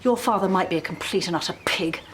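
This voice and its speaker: An actress in a TV drama playing a fussy, doting middle-aged mother who gushes and turns shrill. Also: fast talker, background noise, natural voice. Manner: gushing, then shrill. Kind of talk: TV drama acting.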